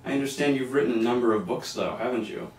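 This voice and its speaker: Male interview host, mid-range voice, casual and slightly halting, picked up from a distance in a reverberant room. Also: medium pitch. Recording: echoey, slightly noisy room, distant mic.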